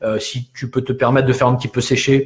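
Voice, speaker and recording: A man speaks in a monotone, flat delivery. His voice is somewhat breathy. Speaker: herbalist teacher. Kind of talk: live stream Q&A tutorial. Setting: Facebook live stream.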